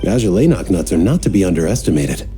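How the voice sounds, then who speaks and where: A man playing an earnest, flustered young temple member in a video game, speaking formally with halting apologies. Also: sits low, very animated, mellow, faint music behind. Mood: defensive.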